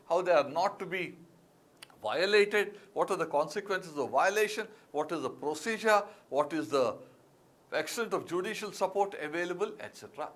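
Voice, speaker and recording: A man's voice: sits high, fairly bright tone. A man with an Indian English accent giving a classroom lecture as an exam-prep teacher, emphatic and repeating key words, with frequent fillers. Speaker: civil services exam teacher.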